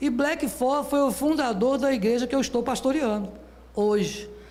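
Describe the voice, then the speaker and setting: A man speaks at a fairly slow pace with an extremely high pitch and ordinary pitch variation. Audible room echo surrounds his voice. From Rio de Janeiro state, Brazil (Duque de Caxias). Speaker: pastor. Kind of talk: sermon. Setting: church. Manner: casual, conversational.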